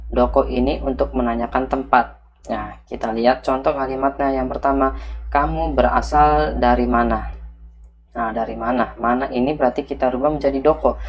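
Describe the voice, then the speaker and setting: Very low-voiced woman teaching patiently. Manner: patient, explains step by step with frequent "nah". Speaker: Japanese language teacher. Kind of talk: classroom grammar lesson.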